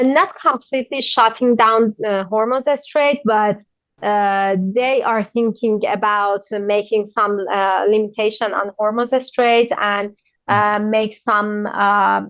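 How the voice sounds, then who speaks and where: A woman from Iran with a Persian accent, answering news interview questions as a journalist in halting, non-native English, often searching for words. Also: medium pitch, no room sound, highs cut off.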